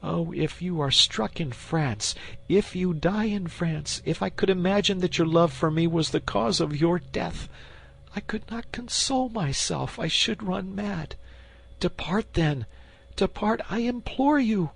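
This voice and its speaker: A man's voice: unhurried, creaky, slightly rough, exaggerated voice. A man voicing an anguished pleading queen. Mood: desperate pleading. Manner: trembling, high, pleading delivery. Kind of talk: audiobook character reading.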